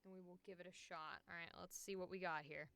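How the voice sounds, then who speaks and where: A woman's voice: lowish voice, steady tone, quick pace, a bit bright, clear, resonant tone. A woman hosting a livestream as a voice actor, chatting casually and thinking aloud.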